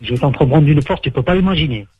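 A man's voice: on the high side, animated, fast, breathy edge, dry recording. A man on a phone call, boasting with hesitant fillers. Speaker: caller on a radio show. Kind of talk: phone conversation. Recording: dull lo-fi phone line.

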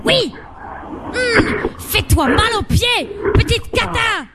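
Bossy high-voiced woman radio host. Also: expressive, slow, heavy background noise. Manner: bossy, teasing commands. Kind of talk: prank call on radio.

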